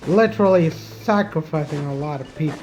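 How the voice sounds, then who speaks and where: A woman's voice: deep voice, a little fast, a little mellow, slight background noise. A woman gaming streamer reacting casually to gameplay in an informal, repetitive way. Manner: informal, repeats herself.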